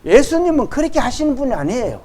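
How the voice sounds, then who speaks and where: A middle-aged male pastor preaching a sermon, reading verses slowly and with emphasis and acting out the quoted voices. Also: very high-pitched, sing-song, warm tone.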